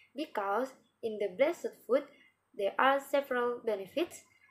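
This woman has an Indonesian accent. Her intonation is lively. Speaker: university student. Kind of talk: class presentation. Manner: halting, many fillers. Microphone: webcam.

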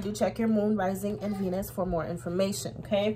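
Background music plays while a woman talks. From Haitian heritage. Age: 20s. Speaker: tarot reader. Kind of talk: tarot reading to camera. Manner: casual, chatty. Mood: calm, conversational. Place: home room. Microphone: phone near.

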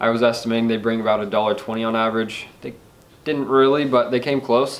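Fairly quick speech from a man, pitch varying in an ordinary way. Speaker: farmer vlogger. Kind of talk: casual vlog chat. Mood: content, matter-of-fact. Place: farm machine.

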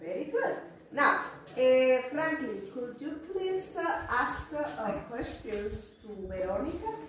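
A woman's high voice at a very slow pace with very wide pitch swings, strong room echo and light background noise. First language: Spanish. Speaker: English teacher. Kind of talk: classroom lesson. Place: classroom. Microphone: camera far.

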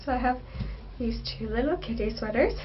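A woman with a high pitch and lively intonation talks over noticeable background noise. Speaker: beauty vlogger. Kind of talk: casual chat. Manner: casual, chatty.

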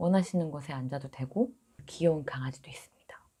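Against a quiet background, a woman speaks in a dark, mellow tone that is somewhat breathy. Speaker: YouTube vlogger. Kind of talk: casual vlog talk to camera. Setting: cold room at home. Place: home room. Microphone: lapel.

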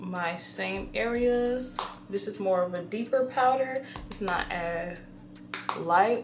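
A woman talks at a very slow pace. Noticeable background noise runs behind her. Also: ordinary pitch variation. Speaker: beauty vlogger. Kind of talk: casual makeup tutorial chat. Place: home room.

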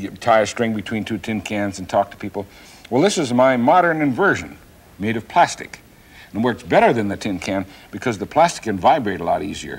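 A man with a fairly low pitch, a fairly quick pace and very wide pitch swings. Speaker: TV science show host. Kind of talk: tutorial. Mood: friendly and teaching. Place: studio.

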